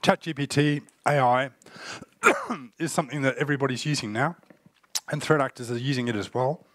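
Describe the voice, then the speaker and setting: A man who is getting over a cold, giving a conference talk with many pauses and fillers. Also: mid-range voice, very animated, fairly bright tone, no echo. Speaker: cybersecurity speaker.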